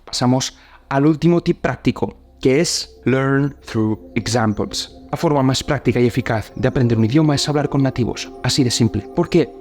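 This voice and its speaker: An emphatic man walks viewers through practical learning tips in a mid-pitched voice. Soft music plays behind him. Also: fast. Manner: emphatic, direct address to viewers. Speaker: host. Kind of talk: explaining language-learning tips.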